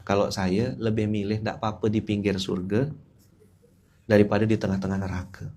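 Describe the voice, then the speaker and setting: Playful low-voiced male preacher. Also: flat delivery, normal speed, a little mellow. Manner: playful, keeps asking the audience questions. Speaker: Islamic preacher. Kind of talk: casual humorous dawn sermon.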